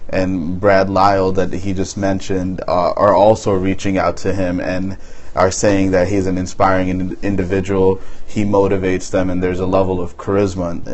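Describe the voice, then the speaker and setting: A young man with a bass voice, talking as a guest on a livestream in an earnest, halting way with many fillers. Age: young adult. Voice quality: bass in his voice. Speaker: guest, insurance agent. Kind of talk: casual interview talk.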